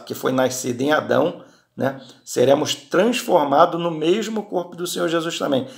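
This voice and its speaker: A man teaching from the Bible in a relaxed, conversational way, often checking in with his listeners and restarting his sentences. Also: on the high side, gravelly. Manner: frequent tag questions and restarts. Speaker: preacher.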